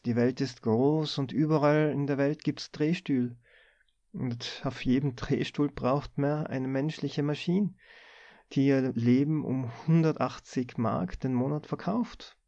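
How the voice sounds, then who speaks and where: A man reading an audiobook, voicing a placid office clerk who answers in an unhurried, mildly amused, folksy way. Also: medium pitch, warm tone, no echo, muffled recording, lightly acted. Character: placid, easygoing middle-aged male office clerk.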